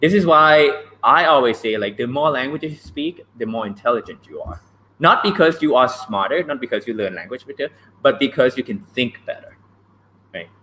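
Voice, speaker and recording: This fairly high-pitched man sounds animated, bright and sharp. His voice has vocal fry and very wide pitch swings. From Thailand. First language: Thai. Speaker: language learning coach. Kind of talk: live-streamed talk. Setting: livestream.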